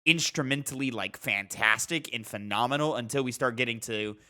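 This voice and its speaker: A man's voice: medium pitch, brisk, pushed and bright. A man co-hosting a casual gaming podcast, talking informally and giving his opinions emphatically.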